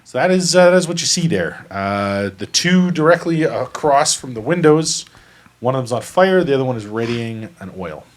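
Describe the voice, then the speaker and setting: A man's voice: mid-range voice, lively intonation, normal speed. A man running a tabletop game as game master, describing the scene methodically. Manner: methodical, explanatory.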